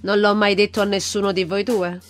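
A woman's voice: mid-range voice, fairly quick, faint music behind, natural voice. A woman voicing an aloof, sly black cat roommate, sardonic and dismissive, in a cartoon comedy dub. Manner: deadpan, dismissive.

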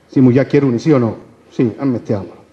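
A man from Calabria, telling folk tales on the radio in an animated, playful way. The recording is a dull radio recording with long reverb. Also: medium pitch, fast talker. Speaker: storyteller. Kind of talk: folk tale storytelling on radio.

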